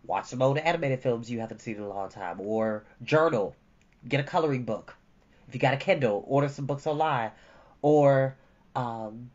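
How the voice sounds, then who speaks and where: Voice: medium pitch, darkish tone. Chatty storytime host, muffled lo-fi sound. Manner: chatty, informal, rambling asides. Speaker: host of a storytime livestream, reading a novel aloud. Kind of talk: casual livestream chat and storybook reading. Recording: dull lo-fi audio with background music. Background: ambient background music.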